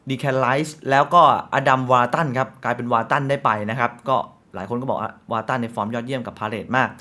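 A man's voice: medium pitch, bright, forceful tone. A man hosting a casual football news show, chatty and reading sponsor plugs between the news. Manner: chatty, reads sponsor ads quickly, frequent polite fillers.

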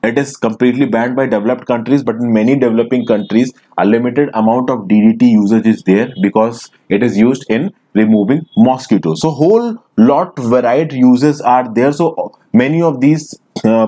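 Indian English male teacher, mellow tone, patient explainer who keeps saying friends. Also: medium pitch, normal speed, hardly any pauses. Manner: explanatory, repeatedly addresses listeners as friends. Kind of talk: recorded screen lecture.

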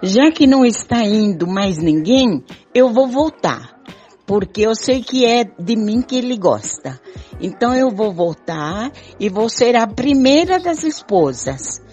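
Woman as demanding radio-soap wife, proud, firm, mellow tone, animated pitch. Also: unhurried, soft background music. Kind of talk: amateur improvised radio soap opera.

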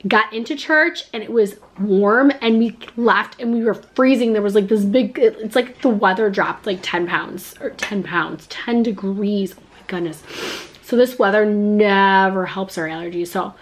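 A woman's voice: medium pitch, measured pace. A woman in her thirties chatting to the camera in her home kitchen, a little stuffed up with a slight cough, full of "like" fillers. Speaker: vlogger. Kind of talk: casual chat to camera. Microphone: camera at close range.

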